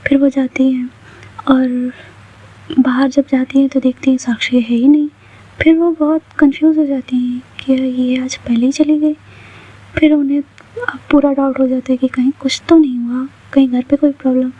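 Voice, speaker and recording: High, flat-voiced woman storyteller. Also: breathy edge. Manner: conversational, plain, unhurried retelling. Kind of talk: casual storytelling narration. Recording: dull lo-fi recording.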